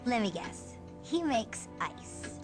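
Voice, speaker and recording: Shy, hesitant young newcomer. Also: female voice, on the high side, very animated, takes it slowly, faint music behind. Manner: hesitant, polite. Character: shy young woman newcomer, unsure of her powers. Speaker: game character.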